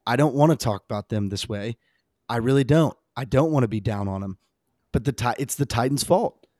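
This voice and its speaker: A man with a slightly hoarse voice hosting a casual, rambling, emphatic fan talk on a sports podcast. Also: mid-range voice, fairly quick, mellow, no echo, clean studio sound.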